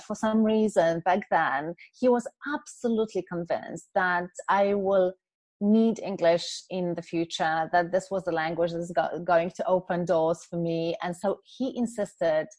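A woman in her forties from Poland with a Polish accent, speaking as an interview guest in a thoughtful, measured way with frequent pauses. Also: lowish voice, dry recording. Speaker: guest, culture consultant. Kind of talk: reflective interview conversation.

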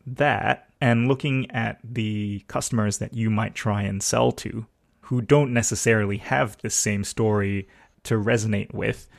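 Man, gravelly low voice, dry close sound, podcast host, appreciative, long questions. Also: no echo. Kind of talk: podcast interview.

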